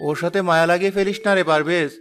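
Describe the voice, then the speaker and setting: Brief: a man as a humble pious father, earnest, quick, raised pitch. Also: steady tone, faint music behind. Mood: gentle. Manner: earnest, gently preaching. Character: poor, devout village father, humble and calm.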